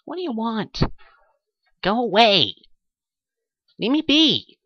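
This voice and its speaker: A man's voice: very high-pitched, sing-song, slow pace, no echo, highs cut off, full character voice. A man voicing a bratty, sulky male pony for a game audition, whiny, petulant and dismissive. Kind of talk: game character audition lines.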